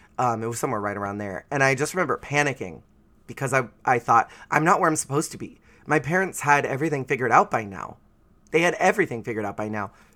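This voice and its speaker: Talking at a very fast pace, a man with a medium pitch has a bright, sharp tone and lively intonation on a very clean recording with a silent background. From US West, Southern California high desert. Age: 30s. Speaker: podcast host. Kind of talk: personal storytelling monologue. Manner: casual, laughs often.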